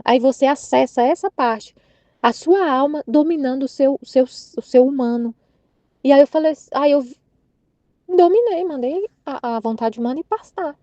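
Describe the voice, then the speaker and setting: A woman's voice: high-pitched, mellow, no echo. A woman with a Brazilian Portuguese accent sharing a personal testimony in a casual, earnest way, often restarting her sentences. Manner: earnest, halting, repeats herself while searching for words. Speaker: prayer group member sharing testimony.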